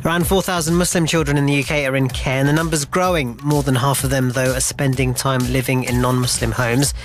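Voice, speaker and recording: A man's voice: mid-range voice, steady tone, fairly quick, faint music behind. A man reading a scripted radio news bulletin. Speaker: newsreader.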